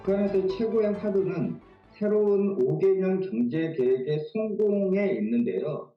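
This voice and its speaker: A man's voice: sits high, animated, a little slow, faint music behind. A man giving formal expert commentary in an interview. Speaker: expert analyst. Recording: echoey room, slightly dull sound.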